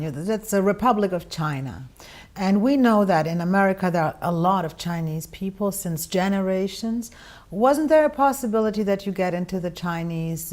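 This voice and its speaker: A woman's voice: medium pitch, a little mellow. Woman asking frank questions. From Germany. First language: German. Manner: inquisitive, frank, emphatic. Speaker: interviewer. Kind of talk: interview conversation.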